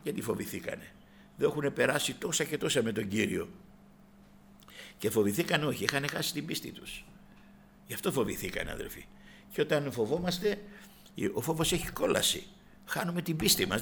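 A man preaching a sermon, addressing his congregation as brothers and sisters and rising loudly when quoting Christ. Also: fairly high pitch, vocal fry, slight background noise.

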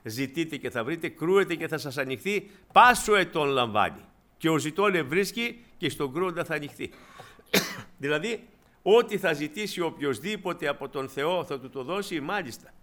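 Male preacher, slightly higher pitch, conversational sermon delivery, speaks to the congregation as brothers, hushed emphasis. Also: animated. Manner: voice drops low and quiet at moments of emphasis.

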